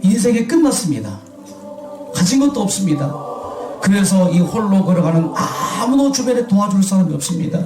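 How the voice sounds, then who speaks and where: Male pastor, fairly high voice, questioning the congregation, recorded from a distance in a reverberant hall. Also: big pitch swings, brisk. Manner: asks the congregation questions and answers himself. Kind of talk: sermon.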